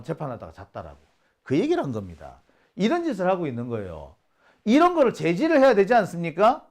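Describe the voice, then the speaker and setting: A man's voice: high voice, darkish tone. A middle-aged man giving casual, indignant political commentary. He acts out the people he quotes and fires off rhetorical questions. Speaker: journalist host of a political channel.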